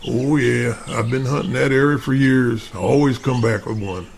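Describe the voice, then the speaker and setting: A man's voice: mid-range voice, steady tone, moderate pace, vocal fry, slight background noise, close to an everyday voice. An actor playing a practical, seasoned outdoorsman in an audio drama, terse and matter-of-fact. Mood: practical, relaxed. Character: seasoned outdoorsman father-in-law, gruff and practical.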